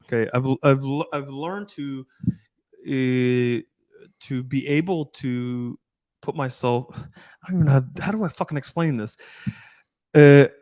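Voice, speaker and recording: A man's voice: mid-range voice, a little slow, pauses often, darkish tone, dry recording. A man in his thirties, a dating coach, talking casually and at length on a podcast, swearing often and restarting his sentences. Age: 30s. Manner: rambling, profane, restarts often.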